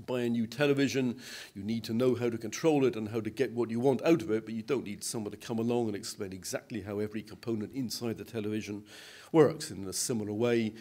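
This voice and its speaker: An older man giving an explanatory presentation to a convention in a hotel conference room, measured and patient, with frequent small restarts. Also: fairly low pitch, warm tone.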